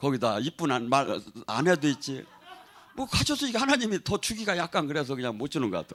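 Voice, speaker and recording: At a fairly quick pace, a man talks with a fairly high pitch and very wide pitch swings. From Chungcheong province, Korea. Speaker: pastor. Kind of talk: sermon. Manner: stutters a little.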